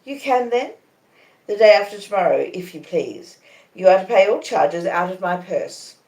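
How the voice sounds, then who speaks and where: A woman's voice: mid-range voice, lively intonation, normal speed, darkish tone, natural voice. Woman voicing a cold, proud young Australian lady, echoey room. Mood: cold, imperious. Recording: roomy, echoing conservatory sound.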